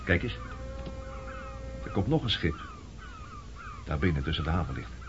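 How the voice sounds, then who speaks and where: A man's voice: deep voice, animated, moderate pace. An actor in a Dutch radio play playing a sardonic man back from the past, coolly needling and provoking. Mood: musing. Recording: dull, noisy old radio play recording.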